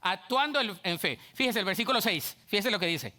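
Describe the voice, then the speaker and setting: A middle-aged male pastor preaches with a high, bright voice. He talks animatedly and slips into playful voices of church members. His delivery stays warm toward the congregation and full of energy. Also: brisk. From Colombia. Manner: lively preaching, acts out voices of church people. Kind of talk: sermon.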